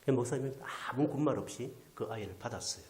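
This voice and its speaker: A male pastor with a delivers an animated storytelling sermon, his pitch swinging widely as he acts out the people he quotes. At times he sinks almost to a whisper. The sound rings in an echoey church hall. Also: quick pace. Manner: animated storyteller, acting out quoted voices, drops to near whisper. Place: church sanctuary.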